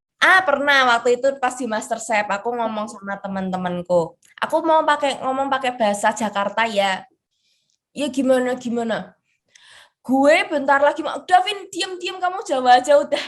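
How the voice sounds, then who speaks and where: This woman's pitch is high and swings very widely. Her pace is moderate. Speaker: cooking show finalist. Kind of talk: interview. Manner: casual, chatty.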